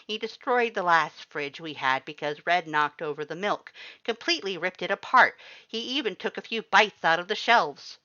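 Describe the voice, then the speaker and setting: A woman voicing an excitable, bossy, vain but kind male skeleton in a storybook reading, with loud, theatrical, emphatic delivery. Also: fairly low pitch, normal speed, hardly any pauses, muffled recording, pitched above the performer's own voice. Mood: indignant.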